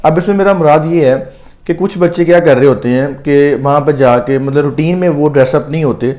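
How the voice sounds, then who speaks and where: A man with a Pakistani accent giving advice as a visa counsellor, explaining at length with frequent hesitant pauses. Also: fairly high pitch, warm tone. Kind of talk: advisory conversation.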